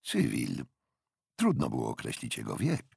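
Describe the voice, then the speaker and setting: An older man reads literary fiction in a very low, husky voice. His delivery swings widely in pitch, with deliberate phrasing and dramatic pauses that give the narration a theatrical shape. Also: wildly swooping pitch, a little mellow, no echo, clean studio sound. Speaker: audiobook narrator.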